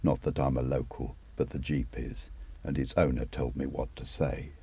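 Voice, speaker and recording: A man's voice: very deep voice, steady tone, moderate pace, darkish tone, breathy edge, exaggerated voice. A man reading an audiobook, voicing an obliging, practical male fixer who talks in a chatty, colloquial way. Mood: matey briefing. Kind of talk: audiobook character voice.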